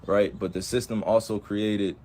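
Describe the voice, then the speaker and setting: A man's voice: on the low side, level tone, normal speed, a little mellow, slight background noise. A young man speaking with passion on a livestream, emphatic and full of repeated rhetorical questions. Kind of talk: impassioned livestream talk.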